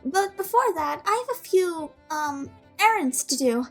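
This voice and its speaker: A woman's voice: extremely high pitch, very animated, unhurried, soft background music, exaggerated voice. A woman playing a sweet, devoted young friend in an audio drama, bubbly and eager. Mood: eager, affectionate.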